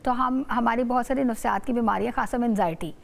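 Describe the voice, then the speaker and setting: A woman's voice: on the high side, quick pace, gravelly. An older woman with a Pakistani Urdu accent, a psychologist guest explaining patiently with frequent hesitations and fillers. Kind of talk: expert explanation.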